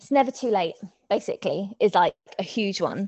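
At a fairly quick pace, a woman with an ordinary speaking voice talks in a medium pitch with ordinary pitch variation. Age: 30s. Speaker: nursing student. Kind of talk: casual chat.

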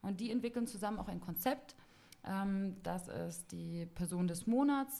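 A woman speaks at a fairly slow pace. Her tone is dark, mellow and somewhat breathy. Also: medium pitch for a woman, lively intonation. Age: 30s. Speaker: theatre educator and anti-racism activist. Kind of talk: casual interview.

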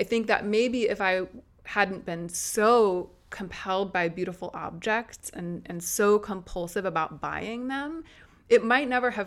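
A woman with a plain, everyday voice speaks at medium pitch and a moderate pace with ordinary pitch variation, on a very clean recording with a silent background. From US, Maryland. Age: 30s. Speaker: YouTuber. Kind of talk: casual chat. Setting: studio.

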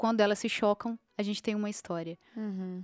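Recorded very clean with a silent background and a dry, close sound with no echo, a woman speaks in a plain, everyday voice with a fairly high pitch and ordinary pitch variation. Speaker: podcast co-host, journalist and copywriter. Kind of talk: casual chat.

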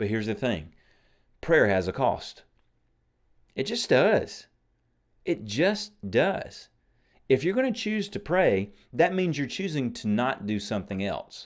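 On a very clean recording with a silent background, the speaker sounds animated, swinging very widely in pitch with vocal fry, moving at a fairly slow pace and leaving long, frequent pauses. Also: man, fairly high pitch for a man. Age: 30s. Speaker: pastor and podcast host. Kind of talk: sermon-style teaching.

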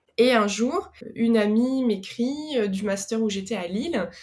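Noticeable background noise sits behind the speaker. A woman talks with fairly even intonation. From France, Bourges (Centre region). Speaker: social media content creator. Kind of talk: interview.

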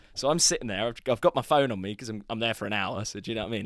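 A man talks at a very fast pace with a medium pitch. The recording is very clean, with a silent background. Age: 20s. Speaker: stage actor. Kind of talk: casual chat.

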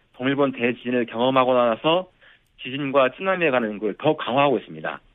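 Here a man talks at a moderate pace with a medium pitch. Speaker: earthquake researcher, professor. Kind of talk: interview. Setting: phone call. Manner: halting.

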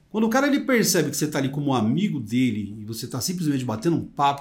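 Fast and somewhat breathy, a man speaks at a very fast pace. His pitch is fairly high, and his intonation is lively. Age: 50s. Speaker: team coach and insurance broker. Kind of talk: interview conversation. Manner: halting, with repetitions.

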